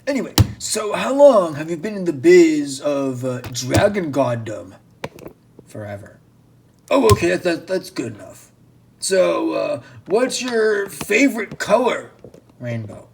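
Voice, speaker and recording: A man hosting a comedy podcast as an excitable potato host, brash and bossy. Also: a little high, creaky, recorded from a distance, slight background noise. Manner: brash, bossy and quick to bicker. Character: excitable male potato talk-show host.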